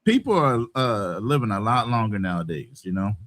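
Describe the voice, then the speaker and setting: A man in his late fifties in a casual podcast chat, giving advice in a steady tone. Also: lowish voice, moderate pace, dry recording, clean studio sound. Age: 50s. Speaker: podcast co-host.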